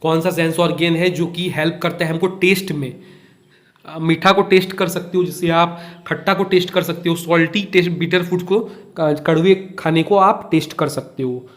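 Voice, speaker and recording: A young man with a somewhat high voice runs a casual tutoring lesson for children. He talks in a chatty way, repeats every point, and quizzes the students before answering his own questions. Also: steady tone, moderate pace. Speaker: online olympiad teacher.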